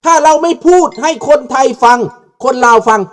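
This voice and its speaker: Fiery older man, high-pitched and preachy. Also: normal speed. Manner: fiery, mixes Lao and Thai, repeats and asks the audience questions. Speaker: political commentator. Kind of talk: impassioned political monologue. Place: abroad, outside Laos.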